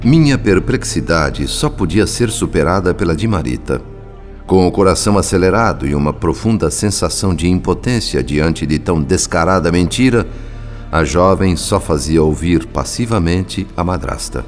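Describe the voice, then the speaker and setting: A man's voice: low-pitched, expressive, moderate pace, soft background music. A man with a Brazilian accent narrating a radio drama in a scripted, literary style. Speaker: story narrator.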